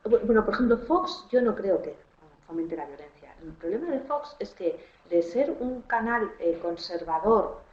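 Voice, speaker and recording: A woman political analyst giving a measured, analytical answer in a webinar over a video call. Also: medium pitch, animated. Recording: roomy, dull online audio.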